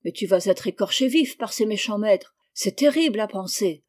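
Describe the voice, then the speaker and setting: A woman reading an audiobook, voicing a worried schoolboy who reproaches his friend quietly. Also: medium pitch, animated, normal speed, lightly acted.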